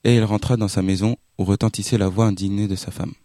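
Low, mellow-voiced male narrator. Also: fairly even intonation, fast, no room sound, studio quality. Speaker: audiobook narrator. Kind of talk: literary audiobook reading.

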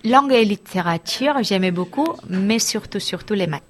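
A middle-aged woman from Barcelona, a school life counselor, answering interview questions thoughtfully, with frequent pauses and restarts. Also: mid-range voice, animated. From Barcelona, Spain.

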